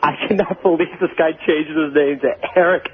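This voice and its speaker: A man's voice: fairly high pitch, fairly even intonation, brisk, breathy edge. A man calling in to a radio show over the phone, speaking in a mocking call-in style. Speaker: radio caller. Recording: tinny phone line with hiss.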